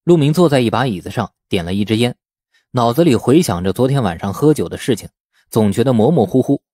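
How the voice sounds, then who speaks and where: A man narrates a novel in a dramatic, storytelling style. His medium-pitched voice moves up and down freely. The recording is close, with no room sound. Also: brisk, dry recording. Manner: expressive storytelling. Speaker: audiobook narrator.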